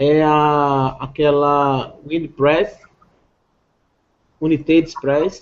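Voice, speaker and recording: A man speaks with a northeastern Brazilian accent at a fairly high pitch, in a monotone, flat intonation. His pace is very slow, with long, frequent pauses. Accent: Brazilian Northeast accent, proud of it. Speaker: pastor and theology teacher. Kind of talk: casual chat. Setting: live video call.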